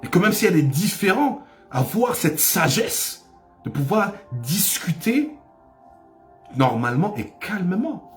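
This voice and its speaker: Impassioned preaching man, soft music behind. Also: sits high, big pitch swings, unhurried. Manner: impassioned preaching, rising to cries; repeats phrases for emphasis. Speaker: pastor. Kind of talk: sermon.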